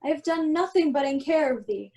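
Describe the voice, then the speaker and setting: A solemn, commanding exiled wizard duke and protective father, played by a woman with a high voice. The delivery is measured Shakespearean storytelling for an amateur radio play. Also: expressive, mellow. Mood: soothing, solemn.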